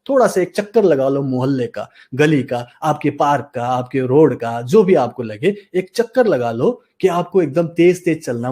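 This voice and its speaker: Guy doing a motivational coaching session, bit high voice, husky, animated, keeps acting out feelings. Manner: lively, mixes in English phrases, acts out example feelings. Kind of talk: live online coaching session.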